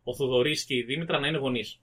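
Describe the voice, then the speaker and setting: A man's voice: medium pitch, fairly bright tone, breathy edge. A young adult man co-hosting a podcast in casual chat, thoughtful and a little hesitant with fillers. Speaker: podcast co-host.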